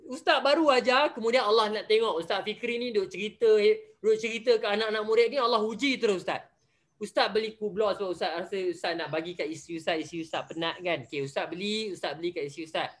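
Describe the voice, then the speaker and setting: Heard over a video call, this young Malaysian Malay-accented man has a voice that sits high and has a bit of brightness. He teaches religion, and here he's relating a story to his online class while asking the pupils questions.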